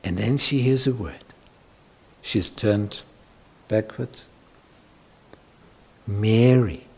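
A man's voice: on the low side, darkish tone, breathy edge. A male pastor preaching a sermon, telling the Bible story dramatically and sometimes dropping to a whisper. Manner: slow, dramatic, drops to whispers when retelling scripture.

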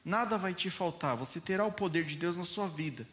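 A man preaching a sermon as a pastor, speaking mildly and deliberately, often calling his congregation "dear ones". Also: high-pitched, animated, a little hiss or hum. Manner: slow, gentle delivery addressing listeners as "queridos".

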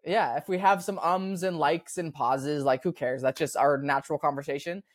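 A man's voice: a little high, moderate pace. A man co-hosting a casual podcast, talking in an easygoing, upbeat way with plenty of fillers. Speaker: podcast co-host. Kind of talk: casual chat. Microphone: remote recording over internet.

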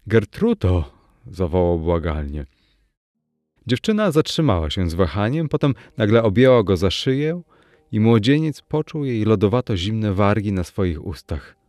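A man narrating a storybook audiobook in a calm, even storytelling manner. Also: fairly low pitch, normal speed, dry recording, clean studio sound.

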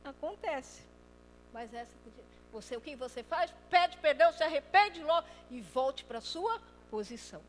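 A woman preaching a lively sermon. She acts out quoted voices and swings between loud and soft. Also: sits high, moderate pace, long reverb tail, slight background noise.

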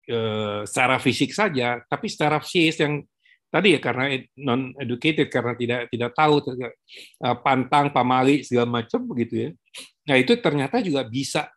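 A man speaking as a guest in a talk-show discussion, pausing often with fillers and restarting phrases, and dropping English terms into his speech. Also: medium pitch, a bit bright. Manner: halting, many filler pauses and restarts.

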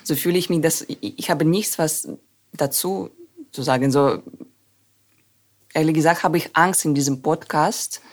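A woman whose first language is Russian, a journalist and co-host, talking haltingly in casual podcast conversation with many restarts. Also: low voice.

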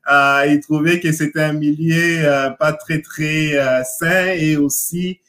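Halting man answering as interview guest. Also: fairly high pitch, fairly even intonation, a bit bright. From Montreal, Canada, of Congolese descent. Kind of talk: casual live interview talk.

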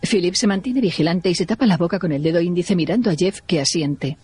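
A man reading audio description for a film in a plain, measured, neutral way. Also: sits high, a little mellow, husky, no echo.

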